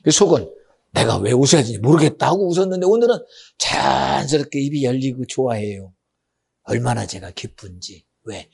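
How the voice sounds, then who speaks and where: A man preaching a sermon as pastor, swinging between loud exclamations and hushed, almost whispered asides. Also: medium pitch, expressive, fairly quick, vocal fry, slightly rough.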